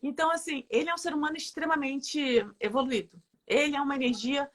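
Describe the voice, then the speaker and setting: Woman guest, high and bright, lively chatty storyteller in a relaxed live interview. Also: fast talker. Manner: lively storyteller, laughs often. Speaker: therapist guest. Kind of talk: casual interview chat.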